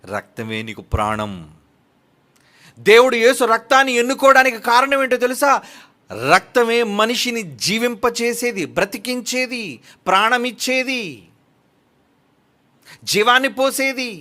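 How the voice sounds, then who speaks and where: A pastor with a Telugu accent delivers an emphatic sermon in a high, bright voice. He asks his listeners questions and answers them himself, his pitch rising and falling widely as he drives each point home. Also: lively intonation, a little slow, long pauses.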